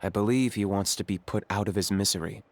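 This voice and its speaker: A man playing a calm, practical young tribal hunter in a video game, with a dry, matter-of-fact delivery. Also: fairly low pitch, quick pace, slight background noise, close to an everyday voice. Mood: grave, measured. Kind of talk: video game character acting. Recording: game music behind the voice.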